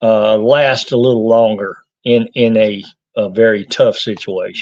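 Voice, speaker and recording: Monotone and flat in intonation, a man at medium pitch talks at a fairly slow pace. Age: 70s. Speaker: dog breeder. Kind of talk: interview. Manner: halting.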